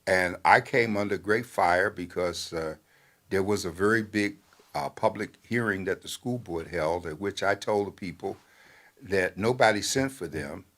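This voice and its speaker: An older man, a newspaper editor, giving talk-show commentary in a measured, halting way with many fillers. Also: low-pitched, a bit bright.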